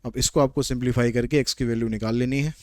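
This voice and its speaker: A male maths teacher walks his viewers through word problems one step at a time, chatty and a little teasing. His voice is smooth and crisp, at a middle pitch. It is recorded close up on a dry mic. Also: fairly even intonation, quick pace, darkish tone, no echo. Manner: explains step by step, code-switching English questions into explanation. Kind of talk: online maths lesson.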